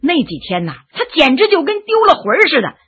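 A woman voicing a blunt, excitable but softhearted gentleman who exclaims and sighs a lot. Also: sits high, quick pace, highs cut off, voice pushed up, exaggerated voice. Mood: exasperated. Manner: impulsive, exclaiming, sighing.

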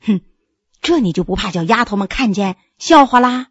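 A woman's voice: sits high, big pitch swings, measured pace, a bit bright, slightly rough, no echo, lo-fi sound, exaggerated voice. A woman voicing a coquettish young noble wife who teases and chides her husband in a storybook reading. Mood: coquettish, chiding. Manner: coquettish, scolding, chatty.

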